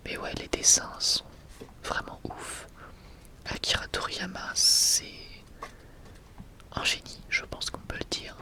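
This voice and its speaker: A person whispering softly and casually in an unscripted, hesitant ASMR presentation. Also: takes it slowly, long pauses. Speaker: ASMR video creator presenting a manga collection.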